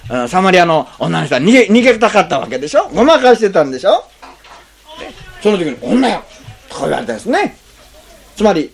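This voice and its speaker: A pastor giving a conversational sermon, asking the congregation rhetorical questions and acting out short spoken lines. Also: mid-range voice. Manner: acts out short spoken lines in changing tones.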